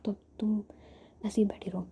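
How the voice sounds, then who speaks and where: A woman's voice: medium pitch, little pitch movement, normal speed, vocal fry, breathy edge, narrow, tinny audio. A woman whispering the lines of a playful, impatient young woman teasing her partner.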